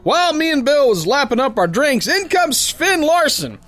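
A brash prize-fighting sailor spins his yarn in an old radio adventure. His voice is very high for a man and swings widely in pitch, with folksy, slangy, rough grammar. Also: big pitch swings, normal speed, a bit bright, full character voice. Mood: boastful storytelling. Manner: slangy, folksy, ungrammatical tough talk.

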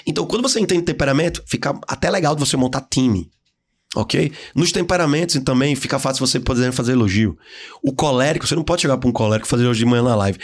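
A Brazilian man guesting on a podcast, talking in slangy casual chat and acting out the people he describes in sudden high voices. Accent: Brazilian Portuguese. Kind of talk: animated casual podcast talk. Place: podcast studio.

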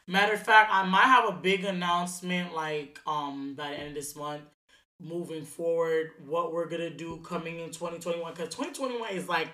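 A woman's voice: lowish voice, normal speed, bright, forceful tone. A woman hosting her own podcast, talking in a loose, slangy solo monologue full of fillers. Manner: chatty and slangy, many fillers. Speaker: podcast host. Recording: echoey room.

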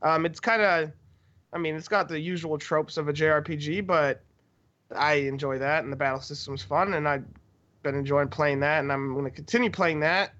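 Dull lo-fi audio, man, somewhat high pitch, casual podcast chat, co-host. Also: normal speed, a bit bright. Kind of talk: casual chat about video games.

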